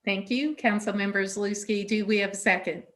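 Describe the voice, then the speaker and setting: A woman's voice: mid-range voice, fairly even intonation, brisk. A woman chairing a council meeting over a video call, friendly and informal, with fillers like uh.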